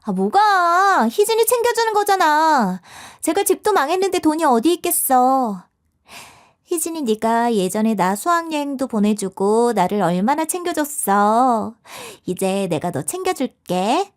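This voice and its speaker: A woman voicing a spiteful, newly rich young woman who sneers and mocks, shrill and sharp. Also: lively intonation, unhurried. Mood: taunting.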